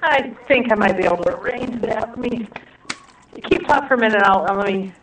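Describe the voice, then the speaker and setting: A woman's voice: a little high, a little fast, slight background noise. A woman in her early forties, co-hosting over the phone, chatting casually and teasing with dry jokes. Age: 40s. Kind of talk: casual chat. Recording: echoey phone line, distant.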